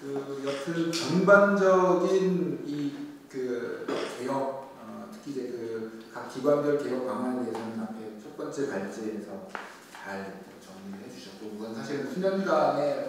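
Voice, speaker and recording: A man speaking as a lawyer on a panel at a forum, measured and hesitant, often pausing with fillers. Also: mid-range voice, far from the mic, a little hiss or hum. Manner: deliberate, hesitant, with frequent filler pauses. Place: conference hall at a public forum. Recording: echoey hall, picked up from afar.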